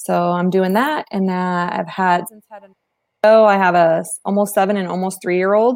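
With an American accent and an unremarkable speaking voice, the speaker moves at a moderate pace with fairly even intonation. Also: woman, medium pitch for a woman. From Arizona, East Valley. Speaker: real estate agent and team leader. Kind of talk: casual interview.

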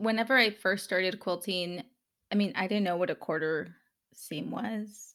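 A woman of medium pitch uses a normal speaking voice at a moderate pace with ordinary pitch variation. The recording is very clean, with a silent background. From central Mexico, raised in Texas. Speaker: quilter and engineer. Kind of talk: casual interview chat.

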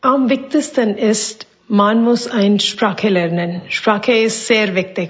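A woman with an Indian accent speaks at a very slow pace with hardly any pauses. Her pitch is fairly high, with ordinary variation and very even loudness. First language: Indian language (speaking German). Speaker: immigrant mother. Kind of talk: testimony.

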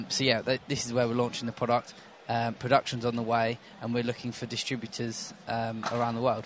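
A man of medium pitch speaks at a fairly quick pace in a monotone, flat intonation. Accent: British. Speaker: scooter company director. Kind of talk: interview. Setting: trade show in Berlin.

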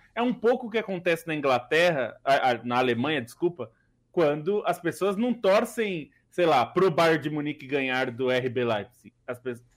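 On a very clean recording with a silent background, a man talks at a moderate pace with fairly high pitch and very wide pitch swings. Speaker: football podcast host. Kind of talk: casual chat.

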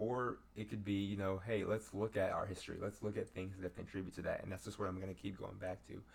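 Speaking very fast with an American accent, a man uses a fairly low pitch and vocal fry. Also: ordinary pitch variation. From Texas (Denton). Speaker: college student and track athlete. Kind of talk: casual chat.

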